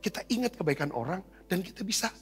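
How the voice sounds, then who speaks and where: A man's voice: high-pitched, big pitch swings, fast, fairly bright tone, slightly rough, big-room sound, faint music behind. A male pastor preaching a sermon in a conversational, exhorting way, often calling for an amen and asking rhetorical questions. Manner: exhorting, repeatedly asks for amens.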